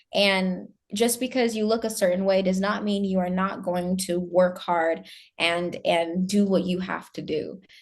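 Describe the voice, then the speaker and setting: Speaking fairly slowly with fairly even intonation, a woman has an unremarkable speaking voice at a medium pitch, with an American accent. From Southern California. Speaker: actress. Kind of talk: interview.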